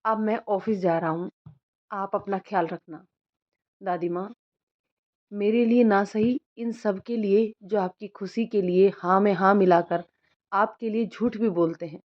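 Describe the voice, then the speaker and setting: A woman's voice: mid-range voice, fairly even intonation, a little slow, highs cut off, natural voice. A woman voicing a short-tempered rich young man who scolds his servants but cares for his grandmother, in a storybook reading. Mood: earnest. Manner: sharp, commanding, scolding.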